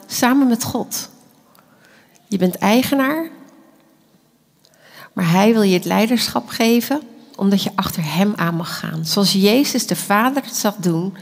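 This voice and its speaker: A woman giving an earnest, animated sermon, dropping now and then into quiet whispered asides. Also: medium pitch, gravelly. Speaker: preacher. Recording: echoey hall.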